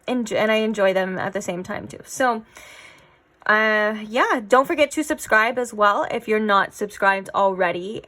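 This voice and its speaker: A woman's voice: on the high side, fairly bright tone. A young woman giving a casual tarot reading, rambling and chatty with lots of fillers. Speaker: tarot reader.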